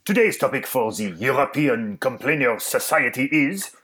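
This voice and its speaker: A man playing a pompous, disgruntled talk radio host, in a radio comedy sketch, with a lively, swooping delivery. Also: medium pitch, normal speed, loud music behind the voice, lightly acted. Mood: indignant. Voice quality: pompous, indignant.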